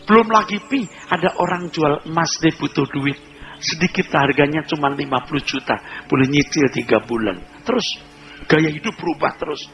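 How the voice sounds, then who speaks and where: A male pastor preaching a humorous sermon, telling lively stories and acting out little scenes. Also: on the high side, moderate pace, slight background noise, poor audio.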